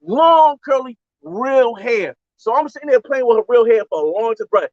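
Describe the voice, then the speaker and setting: High-voiced man rambling through a story. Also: lively intonation, moderate pace, a little mellow, no room sound, lo-fi sound. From United States. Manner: rambling, slangy, repeats phrases. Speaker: travel vlogger. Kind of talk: casual storytelling on a livestream.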